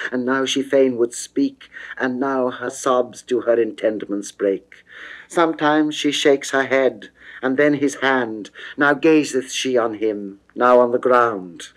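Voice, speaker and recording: A man's voice: medium pitch, low-quality recording. A man narrating classical poetry as a dramatic reading, declamatory and theatrical, with precise phrasing. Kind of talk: dramatic classical verse recitation.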